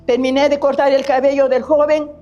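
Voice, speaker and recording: A woman's voice: high voice, flat delivery, fairly quick, dark tone. A middle-aged woman tells her personal faith testimony in an earnest, repetitive way, often restarting her sentences. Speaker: testimony giver. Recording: slightly muffled recording with faint music.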